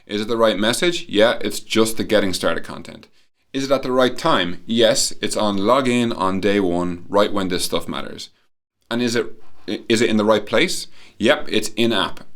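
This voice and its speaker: Man, lowish pitch, conference speaker, slide presentation delivery, explanatory, emphatic phrasing. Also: a bit bright. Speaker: conference speaker, company employee.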